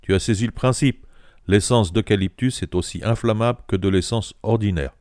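A sly old bush yarn-spinner, put on by a male reader, spinning tall tales with emphatic swings. The voice sits deep and dark. The sound is dry and close. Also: a little fast, no room sound, natural voice.

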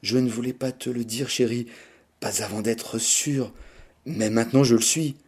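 A man putting on a soft, tearful young woman. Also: mid-range voice, moderate pace, natural voice. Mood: tender.

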